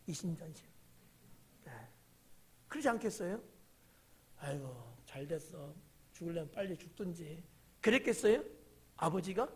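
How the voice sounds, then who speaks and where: A male pastor, preaching a casual Wednesday sermon. He keeps asking the congregation questions, then sinks to a whisper or jumps to a shout. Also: sits high, husky. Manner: chatty, quizzes the congregation by title; drops to whispers and rises to sudden shouts. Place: church sanctuary.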